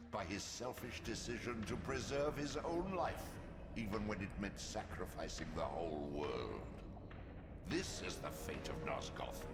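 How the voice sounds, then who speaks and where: An actor playing an ancient, malevolent, domineering god in a video game, making grandiose, menacing pronouncements. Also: male voice, sits low, full character voice. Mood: scornful condemnation. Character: ancient malevolent god, self-proclaimed devourer of death, domineering. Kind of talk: scripted video game drama. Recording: echoing long reverb, loud game music.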